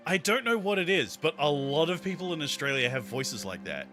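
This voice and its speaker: A man's voice: a little high, big pitch swings, fairly quick, pushed and bright, soft background music. A man streaming a game with a friend, joking, reading on-screen text aloud and laughing often. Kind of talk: casual let's-play commentary.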